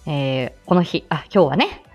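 A woman's voice: deep voice, animated, moderate pace, darkish tone, dull audio, faint music behind. A woman hosting a casual live stream, chatting and laughing often as she reads viewer comments, with plenty of fillers. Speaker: live stream host and voice actor.

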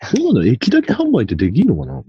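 A man's voice: fairly high pitch, huge pitch swings, fast, breathy edge, dry recording. A man hosting a farming podcast, chatting casually with a guest and rambling with lots of fillers. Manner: rambling, hesitant, many fillers. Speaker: podcast host. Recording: dull lo-fi podcast audio.

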